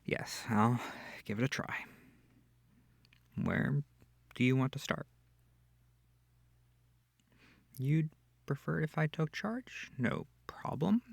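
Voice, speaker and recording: A sweet, comforting incubus demon played by a man speaks close and dry in an ASMR roleplay. His voice is soft and breathy with a touch of gravelly creak, and he takes his time, tender and a little hesitant. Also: mid-range voice, big pitch swings, slow pace, long pauses, no room sound, exaggerated voice. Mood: gently obliging. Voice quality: breathy, often near whispering. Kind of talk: intimate ASMR audio roleplay.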